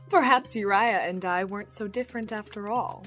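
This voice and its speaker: An actress playing a playful, ruthless villain in an audio drama, teasing and theatrical. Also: female voice, medium pitch, a little slow, fairly bright tone, soft background music, natural voice.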